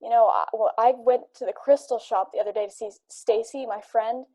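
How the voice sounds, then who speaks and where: A woman's voice: a little high, fairly even intonation, a little fast, mellow, natural voice. A woman acting an earnest, hesitant detective's client in a conversational radio drama. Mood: worried, rambling. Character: friendly young woman, anxious client of a detective.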